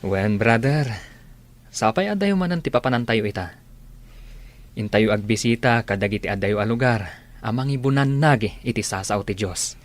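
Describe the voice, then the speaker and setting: A man's voice: fairly low pitch, animated, moderate pace, lightly acted. A man with an Ilocano Filipino accent playing an earnest, devout young seminarian in a radio drama. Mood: solemn.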